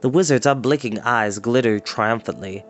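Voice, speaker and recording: A man narrates a story in a dramatic audiobook style. He reads as a storyteller, and soft music sits faintly behind the voice. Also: medium pitch, normal speed.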